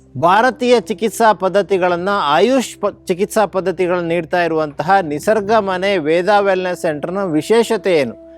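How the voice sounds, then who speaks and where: Music plays in the background. A man speaks in a high pitch with ordinary pitch variation. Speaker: naturopathy doctor. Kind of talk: promotional talk to camera.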